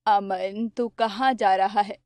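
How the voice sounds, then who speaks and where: A woman voicing a poor, worried mother in a cartoon, speaking gently and coaxingly. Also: medium pitch, steady tone, slow, dry recording, pitched below the performer's own voice, close to an everyday voice.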